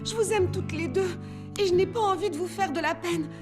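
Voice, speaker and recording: A woman's voice: extremely high pitch, brisk. A woman playing a kind, conscientious, easily flustered young girl in a children's cartoon, earnest and a little hesitant. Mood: torn. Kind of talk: dubbed children's cartoon acting. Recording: music behind the voice.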